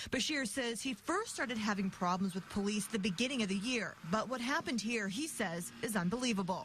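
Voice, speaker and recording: Delivered in a plain, everyday voice, the speech moves at a fairly quick pace with hardly any pauses. Intonation is lively and loudness stays very even. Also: woman, fairly high pitch for a woman. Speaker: TV news reporter. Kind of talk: TV news report.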